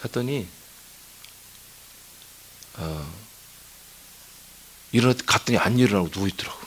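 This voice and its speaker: A man's voice: fairly low pitch, lively intonation, measured pace, fairly bright tone. A male pastor preaching at a dawn church service, telling a story in a chatty way and scolding with humor. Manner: asks the congregation for answers. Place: church sanctuary.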